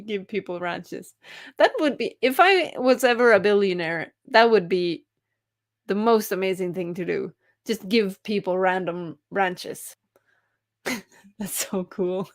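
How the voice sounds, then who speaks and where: A young woman hosting a writing live stream, reading chat comments aloud in a cheerful, giggly way. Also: medium pitch.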